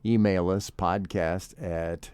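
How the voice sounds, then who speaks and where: A man's voice: deep voice, steady tone, takes it slowly, a little mellow, smooth, no room sound. A man co-hosting a podcast, easygoing as he plugs links and wraps up the episode. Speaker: podcast co-host. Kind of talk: casual chat.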